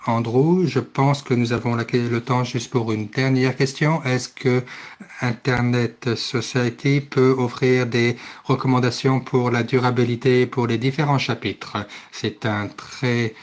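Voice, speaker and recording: A man works as a simultaneous interpreter for a formal meeting, his voice at a medium pitch. His delivery is halting, with searches for the right word and quick self-corrections. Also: little pitch movement.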